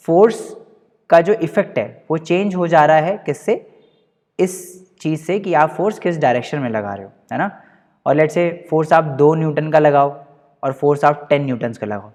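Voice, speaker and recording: Male physics teacher, classroom lecture, patient and repetitive, checks in constantly, voice a touch high, reverberant room. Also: darkish tone. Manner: tags nearly every sentence with a checking question; mixes English terms into explanations.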